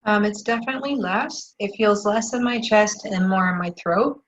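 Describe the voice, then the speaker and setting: A woman in a tapping session who repeats affirmations and then describes her feelings in a soft, hesitant way. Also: mid-range voice, normal speed, highs cut off, a little hiss or hum.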